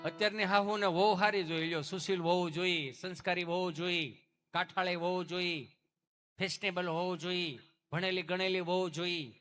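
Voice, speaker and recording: A man performing folk comedy storytelling, animated and switching into character voices. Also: high-pitched, normal speed. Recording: music playing underneath.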